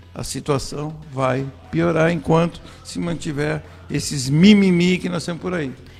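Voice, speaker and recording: A man's fairly high voice with ordinary pitch variation, at a fairly slow pace, over noticeable background noise. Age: 60s. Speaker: business association president. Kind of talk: radio talk show discussion. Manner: animated.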